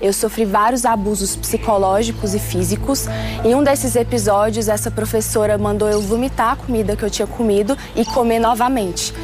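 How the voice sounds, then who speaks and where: A woman in her twenties, from Switzerland, telling her personal testimony in an earnest, measured way. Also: medium pitch, fairly even intonation. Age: 20s. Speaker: testimony speaker. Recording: soft music underneath.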